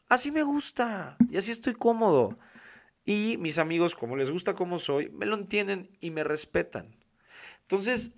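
A man's voice: mid-range voice, a bit bright. A man with a Mexican accent hosting a podcast, giving a casual monologue in an emphatic, slangy way and repeating his key points. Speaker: podcast host.

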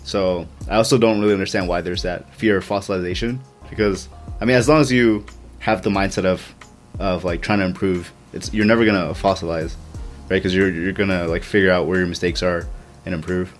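A man talking casually in a conversation, relaxed and peppered with "like". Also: low voice, brisk, faint music behind. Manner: relaxed, uses "like" often.

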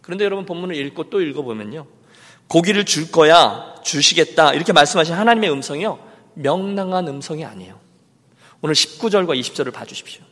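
Male pastor, high voice, sermon, emphatic, echoing church hall. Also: expressive, rapid-fire. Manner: emphatic, keeps addressing the congregation directly. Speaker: senior pastor. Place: church sanctuary. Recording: long reverb of a large hall.

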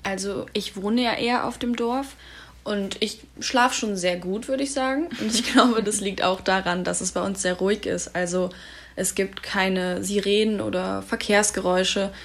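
A woman in her early twenties from Germany, a volunteer talking calmly and thoughtfully in a casual podcast discussion. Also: medium pitch, moderate pace. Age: 20s.

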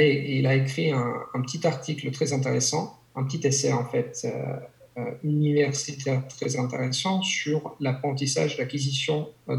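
A man's voice: mid-range voice, vocal fry. A man from Italy, speaking French as a language teacher in a conversational interview, hesitant with frequent restarts and fillers. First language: Italian. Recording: roomy echo.

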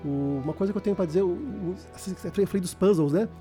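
A man's voice: sits high, fast talker, dark tone, faint music behind. A man with a Brazilian Portuguese accent explaining a video game in casual, informal podcast talk, repeating words as he goes.

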